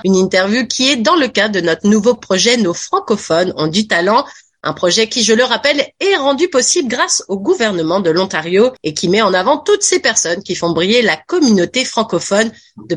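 A woman's voice: a little high, fairly bright tone, slightly rough. A woman hosting a radio interview in an informal, chatty, conversational way.

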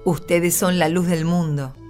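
A woman reads scripture as a radio presenter. Her voice is fairly low and the delivery solemn and scripted. Music plays lightly behind her. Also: fairly even intonation, unhurried, dark tone.

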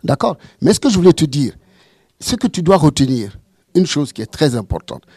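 Gravelly-voiced man, a fiery debater with a dry, close sound. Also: a little high, big pitch swings, moderate pace, a little mellow, dry recording. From French-speaking, living in Toronto. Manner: impassioned, emphatic, repeats himself. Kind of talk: formal debate speech.

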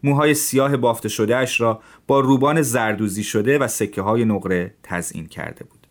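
A man reading a translated classic story aloud as a calm narrator for teenagers. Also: medium pitch.

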